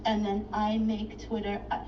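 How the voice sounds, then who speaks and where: A woman's voice: mid-range voice, monotone, normal speed. A woman filing her own case at a courthouse clerk's counter, complaining in an agitated, indignant rush. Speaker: self-represented litigant filing a case. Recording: echoey, distant, muffled and noisy.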